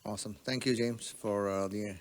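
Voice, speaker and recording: A man from the United Arab Emirates, a podcast guest telling his career story in a relaxed, conversational way, with frequent hesitations and fillers. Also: lowish voice, normal speed, long reverb tail. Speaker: podcast guest, telemedicine entrepreneur.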